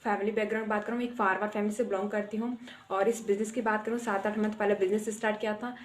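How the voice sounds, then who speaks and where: A young woman from Dehradun talks fast at a mid pitch, working through her testimonial point by point. Her voice echoes noticeably in the room. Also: level tone, slight background noise. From Dehradun, Uttarakhand, India. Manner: brisk, list-like phrasing. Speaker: network marketing member. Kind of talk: testimonial self-introduction.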